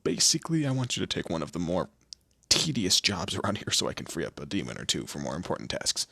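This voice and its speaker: A man performs a smug male demon lord for an audio roleplay. His low voice is husky and swoops with theatrical condescension. He is proud and teasing, as if torment were office work. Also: huge pitch swings, fast, pushed and bright, no echo, studio quality, heavily acted. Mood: sly, businesslike. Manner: theatrical, condescending, drawling, with amused asides. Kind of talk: scripted audio roleplay addressed to the listener.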